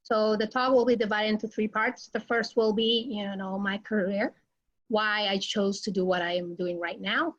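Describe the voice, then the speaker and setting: A woman's voice: mid-range voice, fairly even intonation, normal speed, muffled recording. Chatty American woman giving an online lecture. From United States. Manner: chatty, self-deprecating, with small restarts. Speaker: invited speaker, academic. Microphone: video call.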